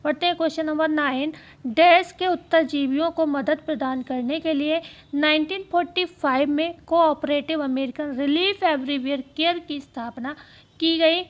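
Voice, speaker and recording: A woman teacher going through exam questions, speaking slowly and repeating key phrases so students can write them down. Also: sits high, muffled recording. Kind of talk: exam-prep lesson.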